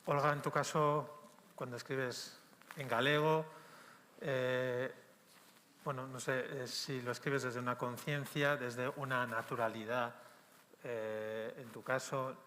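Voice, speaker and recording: A man's voice: mid-range voice, steady tone, slow, pushed and bright. A man moderating a panel, asking his questions tentatively with many hesitations. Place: large hall with long reverb. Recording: reverberant hall, faint background hum.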